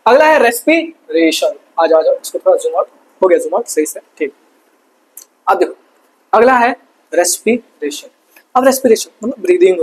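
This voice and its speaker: A man teaching a fast exam revision lesson, casual and chatty, asking quick questions and answering them himself. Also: high-pitched, breathy edge, low-quality recording. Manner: quizzes himself with quick call-and-response questions. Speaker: science tutor.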